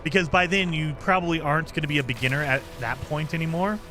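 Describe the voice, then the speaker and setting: A man streaming a game live, chatting casually and reading viewer comments, with a voice he calls high-pitched for a man. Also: fast talker, noisy background. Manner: chatty, lively, self-deprecating.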